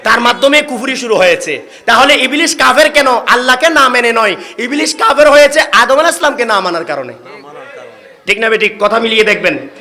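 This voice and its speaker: A man's voice: extremely high pitch, bright, forceful tone. A man from Bangladesh preaching a sermon, calling out to the gathering for responses. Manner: calls out to the crowd for responses. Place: religious gathering.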